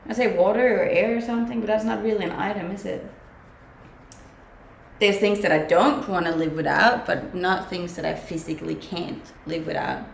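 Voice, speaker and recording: Speaking with vocal fry, this young woman from Denmark has a lowish, fairly bright voice and a Danish accent. She laughs a lot while casually answering viewers on her livestream, filmed indoors in her home kitchen. The audio comes from a desk-distance webcam, and the kitchen sounds echoey with a faint hum behind her.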